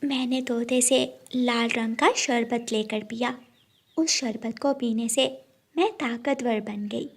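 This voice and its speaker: A woman's voice: fairly high pitch, slow. A woman voicing Rano, a brave sparrow. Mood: sly. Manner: proud, determined.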